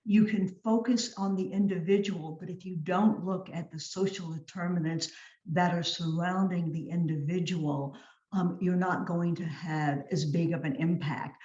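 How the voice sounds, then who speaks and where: A woman's voice: lowish voice, steady tone, moderate pace. Woman expert in a roomy call. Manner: warm, agreeable, explanatory. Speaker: guest expert. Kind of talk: panel discussion. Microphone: video call. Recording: roomy, dull video call audio.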